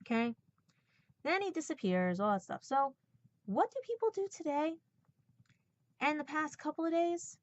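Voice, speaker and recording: Woman in her 40s ranting to her listeners, kinda high voice, blunt n sarcastic, muffled lofi audio. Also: expressive, normal speed, long pauses. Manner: blunt, sarcastic, swearing, repeats checks like "right?" and "okay?". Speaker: podcast host. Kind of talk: personal rant to listeners. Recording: dull, lo-fi sound.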